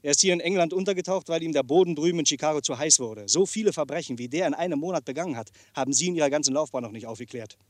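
A sardonic male noir detective, played by an actor in a crime drama. He talks fast in a slightly high voice, dry and close, needling with impatient sarcasm. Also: dry recording, close to an everyday voice. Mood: brisk, needling. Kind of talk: German crime drama acting.

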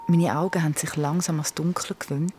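A woman's voice: low voice, steady tone, a little fast, noisy background, close to an everyday voice. An actress with a Swiss German accent playing a young woman who tells her friends a suspenseful ghost story in a radio drama. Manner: vivid, suspenseful. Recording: radio drama over loud music.

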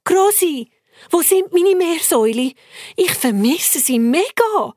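A young girl pleads brightly in a high Swiss German voice that swings all over, as a woman acts her out. There is a touch of breathiness, and the sound is close and dry. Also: animated, normal speed, no room sound. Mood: eager.

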